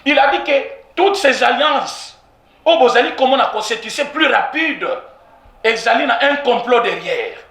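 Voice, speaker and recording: A Congolese man with a Congolese French accent, giving an animated political opinion that mixes French with Lingala and repeats points for emphasis. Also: very high-pitched, moderate pace, reverberant. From Congo (DRC). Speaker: political commentator. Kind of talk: heated political street interview.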